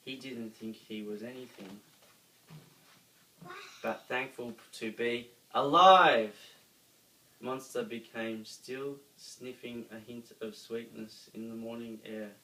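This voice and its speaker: A man with an Australian accent reads a children's story aloud, dramatically, with emphatic pauses. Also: medium pitch, bright, forceful tone. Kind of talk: expressive children's story reading. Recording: roomy, distant mic, faint noise.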